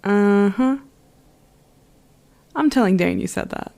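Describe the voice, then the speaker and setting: A woman's voice: medium pitch, slow pace, vocal fry, dark tone. A woman playing a playful, teasing young member of a heist crew in an audio drama, with a wry manner.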